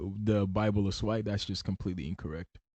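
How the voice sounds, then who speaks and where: The sound is dry and close with no echo as a man speaks at a fairly low pitch, using ordinary pitch variation and a dark, mellow tone. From Ghana. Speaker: podcast guest. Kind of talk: casual chat.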